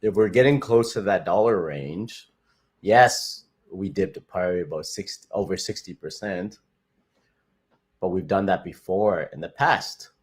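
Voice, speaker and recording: A young man from Canada hosts a casual livestream, his voice sitting low and deep. He talks in an upbeat, rambling way, circling back on his phrases and padding them with fillers as he reads out viewer comments. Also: measured pace, slightly rough. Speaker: crypto livestream host.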